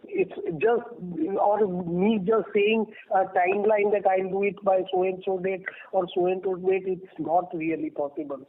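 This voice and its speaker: An Indian-accented man with a high-pitched voice speaks over a narrow, tinny phone conference line. He is a company executive giving unscripted answers, emphatic and prone to repeating phrases for stress. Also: fairly even intonation, moderate pace, few pauses, slight background noise. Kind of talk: unscripted answers on an earnings call. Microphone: telephone.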